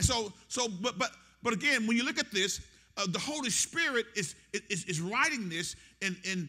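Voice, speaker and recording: Against a quiet background, a man with a high pitch uses a raised, projected voice, his bright, sharp tone animated and his intonation lively. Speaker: pastor. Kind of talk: sermon. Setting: church. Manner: animated, call-and-response preaching, urging the congregation. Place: church. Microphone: lapel.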